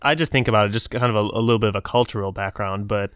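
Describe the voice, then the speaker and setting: A man's voice: lowish voice, rapid-fire, a bit bright, clean tone, dry recording, studio quality. Earnest, preachy young man. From United States. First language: Urdu. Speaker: podcast co-host. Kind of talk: faith podcast conversation.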